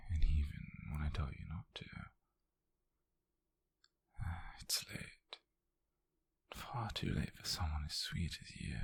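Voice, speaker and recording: Male actor as British yandere lover, ASMR roleplay: slow half-whisper, coaxing, theatrical, clingy and quietly menacing. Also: extremely low pitch, vocal fry, husky, full character voice. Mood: soft, sinister. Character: possessive, doting, menacingly sweet yandere boyfriend.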